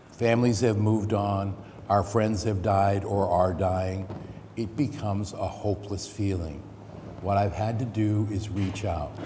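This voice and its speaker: With audible room echo, a man talks at a fairly slow pace in a fairly low pitch with fairly even intonation. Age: 60s. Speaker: mental health speaker. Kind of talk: testimony.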